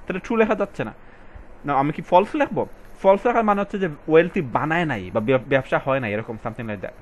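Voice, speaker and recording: Tutor reading English words slowly. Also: male voice, on the high side, expressive. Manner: switches between Bengali and English, reads passage lines slowly and stresses words; addresses students directly, casual colloquial. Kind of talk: recorded exam-prep lesson.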